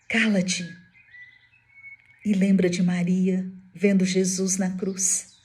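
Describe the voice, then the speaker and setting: A woman giving a spiritist devotional talk, telling a story dramatically with sudden hushed drops. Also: mid-range voice. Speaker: spiritist speaker.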